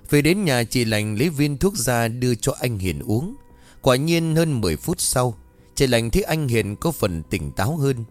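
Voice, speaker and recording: A man narrating a scripted story in a steady, dramatic way. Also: medium pitch. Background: faint music.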